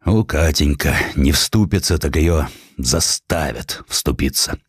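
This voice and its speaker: A burly, forthright middle-aged cavalry general, acted by a male narrator. He speaks low, in a blunt soldierly way, in a dry historical audiobook recording. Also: expressive, takes it slowly, husky, dry recording, full character voice. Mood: grim.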